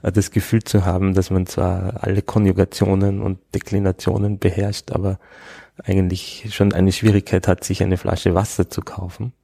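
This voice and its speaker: Man, low gravelly voice, dark and husky, measured interviewee pace with fillers. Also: monotone, dry recording. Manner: thoughtful, hesitant with frequent fillers. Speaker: interviewee, Arabic scholar. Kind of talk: conversational interview.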